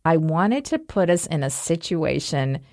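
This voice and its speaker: A woman's voice: low-pitched, very animated, a little slow, darkish tone, no echo, clean studio sound. A woman co-hosting a podcast, chatting casually and telling stories with frequent laughter. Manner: laughs often, storytelling. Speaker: podcast co-host. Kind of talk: casual chat.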